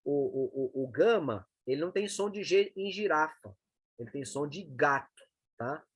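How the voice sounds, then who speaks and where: A man teaches a lesson on reading Greek letters. His voice sits a bit high, and the recording is dry and close with no room sound. He explains patiently and keeps checking in with short tag questions. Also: expressive, moderate pace, husky, no room sound. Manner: explanatory, frequent checking tags like "né" and "tá".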